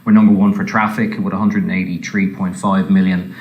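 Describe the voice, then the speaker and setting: A man's voice: low voice, little pitch movement, a little fast, highs cut off. A man giving a scripted corporate presentation of company results as an executive. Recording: echoey, roomy sound.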